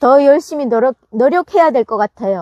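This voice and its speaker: A woman's high-pitched voice moves through very wide pitch swings, with a dry, close sound with no echo. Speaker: farmer and vlogger. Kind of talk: casual vlog talk. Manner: halting, many self-corrections.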